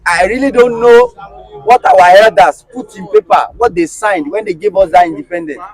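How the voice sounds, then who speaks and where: Animated high-voiced Nigerian man. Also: moderate pace, low-quality recording. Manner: animated, rising to emphatic rhetorical questions. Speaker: interviewee. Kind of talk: casual conversation.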